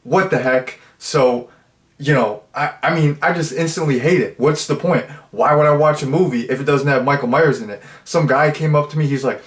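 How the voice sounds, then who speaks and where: A man's voice: a little high, normal speed. A man reviewing a horror movie in a casual, rambling way, full of fillers and jokey asides. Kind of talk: casual chat. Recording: roomy echo.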